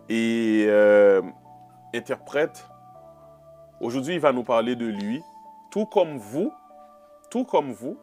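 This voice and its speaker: A man's voice: mid-range voice, darkish tone. A man hosting a studio talk show, speaking to the audience in a theatrical way. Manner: theatrical, addresses the audience directly.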